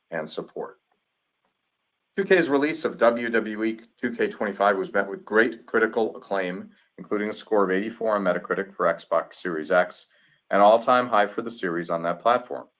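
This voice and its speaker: Male executive for a quarterly earnings call, low register, formal measured read of prepared corporate remarks. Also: fairly bright tone. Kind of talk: scripted corporate earnings presentation.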